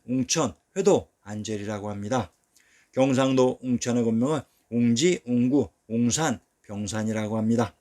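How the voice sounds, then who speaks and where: Man narrating in a measured reading voice. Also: medium pitch. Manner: measured, even reading of old texts. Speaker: history channel narrator. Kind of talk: scripted narration.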